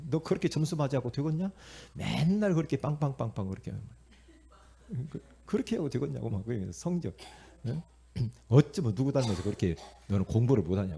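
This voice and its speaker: A middle-aged man from Korea preaching a sermon as pastor, telling stories in an animated way, acting out voices and calling out to the congregation. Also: mid-range voice, creaky. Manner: animated storytelling, acting out inner voices and quotes; repetitive, calls out to the congregation.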